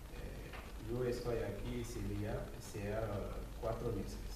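Noticeable background noise and an audible room echo surround this man as he talks. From Guinea Conakry. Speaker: asylum seeker, math teacher. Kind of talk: interview answer. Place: classroom. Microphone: camera far.

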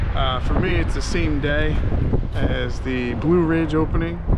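Loud background noise runs under a man speaking at a very slow pace. The sound is dry, with no echo. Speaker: vintage cast iron reseller. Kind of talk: casual vlog chat. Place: market. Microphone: phone near.

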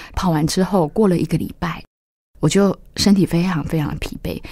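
Against a quiet background, a woman speaks at a fairly quick pace in a dry sound with no echo. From Taiwan, rural countryside. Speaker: pastor's wife and full-time minister; pastor's wife, full-time minister. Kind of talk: testimony. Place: studio.

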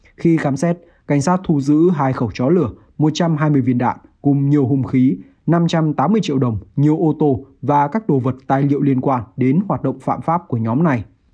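A man with a fairly high pitch and a dark, mellow tone speaks at a moderate pace, with ordinary pitch variation and very even loudness. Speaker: YouTube narrator. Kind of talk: scripted narration. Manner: formal.

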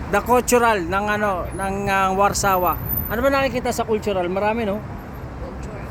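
Noticeable background noise behind a man talking at a moderate speed, his voice pitched high. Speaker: travel vlogger. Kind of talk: walking travel vlog narration. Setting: outdoors walking through a city. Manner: animated.

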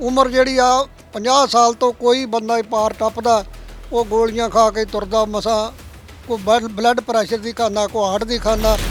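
The intonation is monotone and flat. Music plays in the background. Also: man, extremely high pitch for a man. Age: 80s+. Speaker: farmer. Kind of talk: interview.

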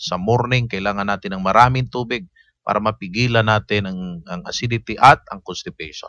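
A bright, sharp tone with lively intonation at a fairly quick pace, dry and close with no echo, against a quiet background. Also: man. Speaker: alternative medicine practitioner. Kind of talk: health advice explanation.

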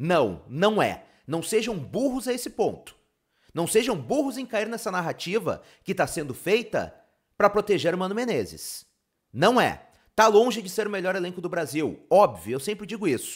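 With a quiet background, a man speaks at a high pitch with lively intonation. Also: moderate pace. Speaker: football commentator, YouTube channel host. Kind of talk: angry rant. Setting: solo video, screen-sharing. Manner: indignant, sarcastic, emphatic; repeats points for emphasis. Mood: indignant, critical. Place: home room. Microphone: studio mic.

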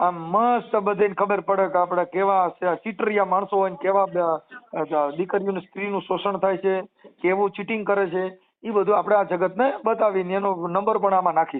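A man talks in a high voice with fairly even intonation. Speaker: activist helping fraud victims over the phone. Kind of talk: phone conversation. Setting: phone call.

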